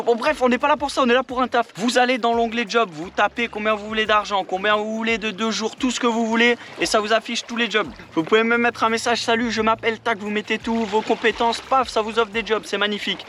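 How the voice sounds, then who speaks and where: Bright high-voiced chatty vlogger man. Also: a little hiss or hum. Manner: playful, jokey, addresses viewers as friends. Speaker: vlogger giving job tips. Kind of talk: upbeat casual vlog.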